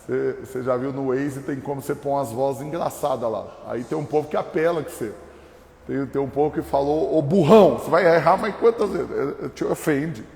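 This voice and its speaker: A man from Brazil, a pastor, preaching a lively, humorous sermon full of acted-out voices. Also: medium pitch, normal speed, vocal fry. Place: church hall. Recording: echoey hall reverb.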